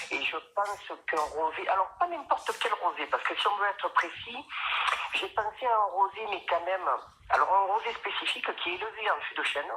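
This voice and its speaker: Over noticeable background noise, a man speaks with a high pitch at a moderate pace. His pitch varies in an ordinary way. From southern France, Nîmes. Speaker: wine seller. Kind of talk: radio interview.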